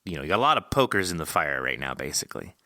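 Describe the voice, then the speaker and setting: A man's voice: rumbling low, very animated, racing, sharp tone, dry recording, studio quality. A man hosting a casual interview, informal, enthusiastic and encouraging with his guest. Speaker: podcast host interviewing an author.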